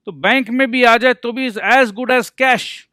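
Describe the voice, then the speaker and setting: A man's voice: very high voice, takes it slowly, pushed and bright, dry recording, clean studio sound. A man teaching accountancy in a lecture, talking in a playful way, joking to explain points and answering his own questions as if he were a student. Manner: playful, mixes Hindi and English, jokes to explain. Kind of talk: recorded lecture.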